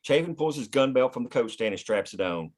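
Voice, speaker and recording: A man serves as narrator at a screenplay table read. He reads scene headings and action lines in a scripted narration style, at an average male pitch. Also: expressive, a little fast, heavy background noise. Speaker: stage-direction narrator.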